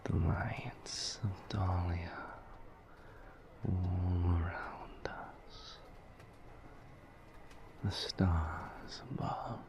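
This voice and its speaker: A man playing a suave, flirtatious vampire in intimate roleplay audio, with breathy half-whispers and formal, silky phrasing. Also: sits low, fairly even intonation, very slow, pauses often, full character voice. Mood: teasing, intimate. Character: suave seductive male vampire, indulgent and flirtatious.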